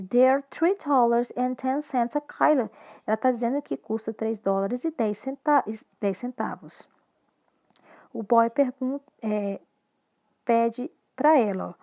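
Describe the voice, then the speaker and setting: In this recorded English lesson, a Brazilian-accented female teacher goes back and forth between English and Portuguese at a slow, clear pace. Her pitch sits a little high, with a slightly mellow quality.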